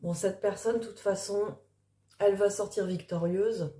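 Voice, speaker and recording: A woman card reader talking casually in an early-morning voice, improvising and thinking aloud in a halting way with trailing pauses. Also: medium pitch, steady tone, mellow. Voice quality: early-morning voice, which the speaker calls gruff. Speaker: tarot card reader and spiritual coach. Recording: echoey, reverberant room.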